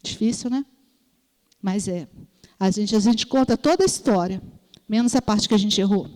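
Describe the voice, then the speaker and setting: A woman's voice: medium pitch, normal speed, darkish tone. A Brazilian woman giving a Catholic prayer-group talk, telling stories and acting out the voices in her quotes, often asking her listeners "entendeu?". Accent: Brazilian Portuguese. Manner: storytelling, acts out voices in quotes. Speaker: lay preacher. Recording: long hall reverb.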